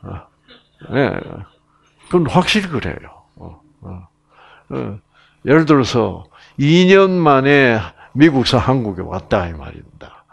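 Middle-aged Bible lecturer, Gyeongsang Korean accent, gravelly voice with lively pitch, anecdotal and full of asides. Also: male voice, unhurried. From Gyeongsang province, Korea. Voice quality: gravelly and husky. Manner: chatty storyteller, many fillers and asides.

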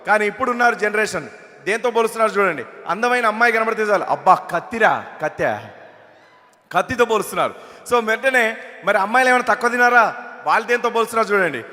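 Telugu-accented male mimic, quick and animated, high voice, stage reverb. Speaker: mimicry artist. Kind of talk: stand-up mimicry act. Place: stage at a film launch event.

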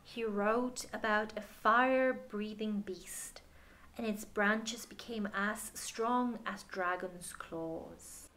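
A woman narrates a children's story at an unhurried, slow pace in a mid-pitched voice. She is expressive and deliberate, softening phrase endings and addressing young listeners directly. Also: rough recording.

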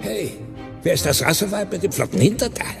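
A huge old robot tycoon from an animated film. He is brash and jovial, ordering people about in a high, gravelly, swooping voice. Music plays behind him. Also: fairly quick. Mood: cheeky. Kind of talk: German animated film dubbing.

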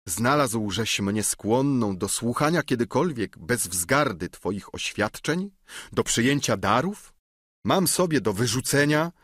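A man's voice: mid-range voice, fairly bright tone, no echo, clean studio sound. A man voicing a young noblewoman who feigns desperate fury, reading her lines in an impassioned, declamatory way for an audiobook.

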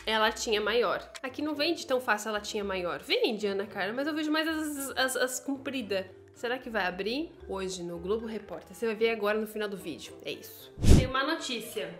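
With soft music and an echoey room behind her, a Brazilian YouTuber talks to camera while trying out kitchen gadgets at home, casually joking with viewers. Her fairly high, slightly bright voice moves a little fast with lively intonation and few pauses, in a Brazilian Portuguese accent.

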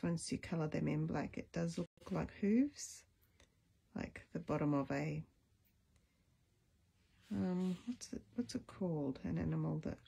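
Slow, gravelly-voiced woman crafting. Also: warm tone. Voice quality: deep, husky voice. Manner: chatty, thinks aloud while crafting. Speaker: craft video host. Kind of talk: casual stamping tutorial chat.

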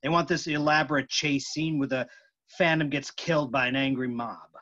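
A man's voice: medium pitch, fairly even intonation, normal speed, fairly bright tone, lightly acted. A man playing an earnest, intense film actor pressing for the truth in a staged reading. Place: room at home, video call. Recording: dull, muffled video-call audio.

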